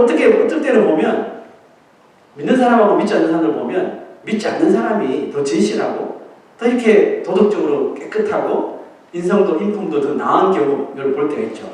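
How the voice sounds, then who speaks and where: A male pastor preaching a sermon in a lively, conversational way, acting out quotes and laughing now and then, in a church. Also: fairly high pitch. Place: church sanctuary. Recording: echoey church hall, mic at a distance.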